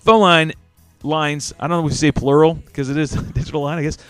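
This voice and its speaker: A man in his forties talks as a podcast host, loose and animated, with swearing and tangents. His voice sits fairly high, and the sound is dry and close. Faint music plays under it. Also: fast, no room sound. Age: 40s. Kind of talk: casual chat.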